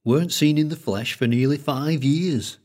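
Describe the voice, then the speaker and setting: A man voicing an older male collector with a thick Lancashire accent, speaking in a slow, droning storytelling way. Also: on the high side, darkish tone, voice pushed up, close to an everyday voice.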